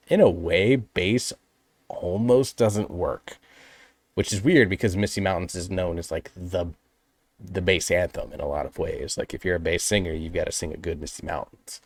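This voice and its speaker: A man's voice: deep voice, no room sound. A man hosting a music reaction video, giving an earnest, appreciative, detail-minded spoken analysis in a casual way.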